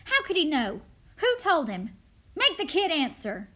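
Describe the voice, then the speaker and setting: Woman voicing loud, high-pitched angry mob accusers. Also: wildly swooping pitch, measured pace, full character voice. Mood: suspicious, demanding. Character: angry, suspicious suburban mob members shouting accusations. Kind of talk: dramatic script reading.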